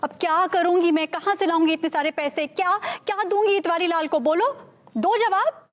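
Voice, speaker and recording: A woman's voice: very high-pitched, moderate pace. An actress playing an exasperated wife who scolds and nags her husband. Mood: scolding. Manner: nagging, scolding.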